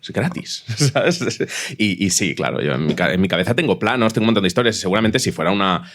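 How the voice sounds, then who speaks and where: A man's voice: fairly low pitch, lively intonation, quick pace, a bit bright. A man with a Spanish accent from Spain talks casually and colloquially in a panel discussion, explaining things vividly with some mild swearing. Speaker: audio fiction writer, panelist.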